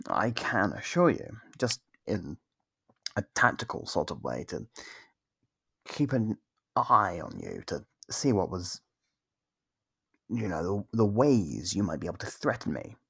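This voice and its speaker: An actor voicing a smug, possessive, centuries-old vampire in an ASMR roleplay, slow and condescending, with a gravelly, husky voice and whispered phrases. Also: low voice, sing-song, a bit bright, no echo, clean studio sound, heavily acted. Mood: flustered denial. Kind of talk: ASMR roleplay monologue to the listener.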